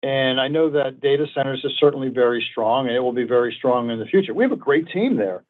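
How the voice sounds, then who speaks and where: Male executive, mid-pitched, emphatic and assured in earnings call answers, tinny phone-conference sound. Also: animated, quick pace. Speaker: company executive answering analysts.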